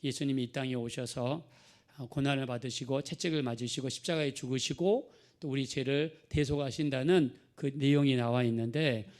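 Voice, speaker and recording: A man's voice: mid-range voice, darkish tone. A middle-aged male pastor preaching a sermon in a conversational storytelling manner, acting out the people in his story.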